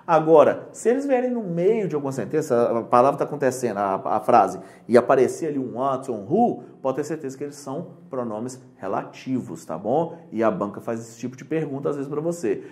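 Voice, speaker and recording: Man, Brazilian Portuguese accent, exam-prep English teacher, animated intonation, keeps asking if you got it. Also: medium pitch. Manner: casual, joking, keeps checking "entendeu?"; reads English examples slowly and translates. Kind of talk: online lesson.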